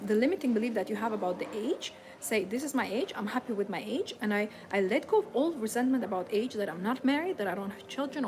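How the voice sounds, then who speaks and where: A woman coaching her audience in a motivational seminar, earnest and repetitive, with non-native English phrasing. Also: on the high side. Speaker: femininity and lifestyle coach. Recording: audible background noise.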